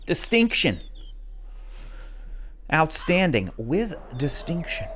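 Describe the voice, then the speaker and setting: A man giving casual, slangy, chatty commentary as he plays a video game, reacting out loud. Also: a little high, sing-song, slow. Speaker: video game let's-play host. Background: video game music.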